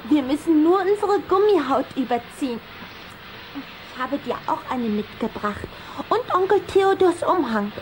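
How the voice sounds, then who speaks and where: A little vampire girl with a high voice, brisk and caring. She speaks in a lively, urging manner in a children's radio play, with faint sound behind her. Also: background noise. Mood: urgent.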